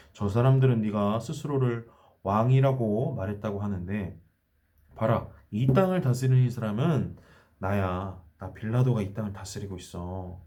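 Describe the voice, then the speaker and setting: A man's voice: lowish voice, dark tone, natural voice. A man voicing a worried, troubled male Roman governor in a children's Bible story, talking things over with himself.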